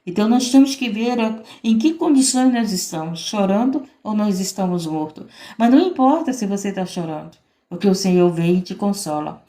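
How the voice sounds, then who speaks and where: Fervent woman preaching, mellow voice. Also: medium pitch. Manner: fervent, repetitive exhortation with rising emphasis. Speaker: missionary preacher. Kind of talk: sermon.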